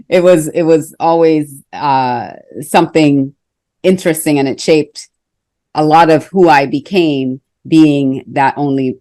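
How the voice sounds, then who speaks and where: A woman from Trinidad hosting an interview, chatty and quick to laugh. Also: low-pitched, a little mellow, no echo. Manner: chatty, laughs between phrases. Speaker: host. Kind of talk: casual interview.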